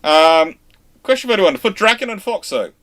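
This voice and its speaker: A man hosting a livestream, chatting casually as he answers listener questions in an animated storytelling way. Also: high voice, moderate pace. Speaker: host of a naval history livestream.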